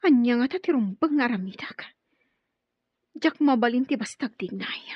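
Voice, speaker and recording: A woman's voice: on the high side, expressive, moderate pace, husky, no room sound. An actress playing an anxious, troubled woman of a tribal family, fretful and pleading, with an Ilocano accent, in a radio drama. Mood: worried, hushed. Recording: muffled, band-limited radio drama recording.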